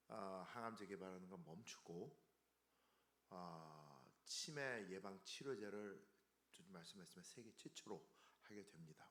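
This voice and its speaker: A man, giving an informal health seminar in a halting way with restarts and stumbles. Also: deep voice, a bit bright. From Korea, later raised in the United States. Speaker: seminar speaker, health researcher. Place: indoor seminar room. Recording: roomy, echoey seminar room.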